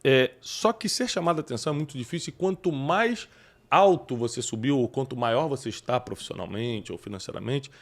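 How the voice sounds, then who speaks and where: A man's voice: mid-range voice, animated, a little fast. A man with a Brazilian Portuguese accent hosting a podcast conversation, talking in an emphatic, preacherly way and citing scripture. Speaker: podcast host.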